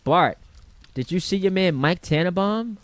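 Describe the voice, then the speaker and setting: A man's voice: high-pitched, lively intonation, measured pace, no room sound. A man hosting sports talk radio, chatting in a conversational style.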